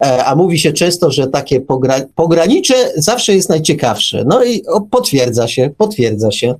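A man's voice: fairly high pitch, big pitch swings, normal speed, a little mellow. A man hosting a radio talk show, speaking thoughtfully with frequent hesitations. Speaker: radio host.

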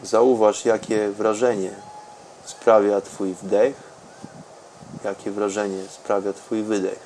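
Slow-talking man, calm and unhurried. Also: on the low side, slight background noise, low-quality recording. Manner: calm, unhurried, soothing delivery with long pauses. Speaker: podcast host and meditation guide. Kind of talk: guided breathing meditation.

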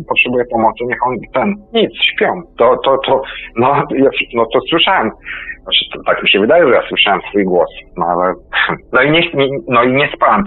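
A man's voice: lowish voice, slightly rough. Stammering man calling in by phone. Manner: halting and stammering, repeats words often. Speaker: caller. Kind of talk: telling a personal experience on a call-in radio show. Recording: tinny phone line.

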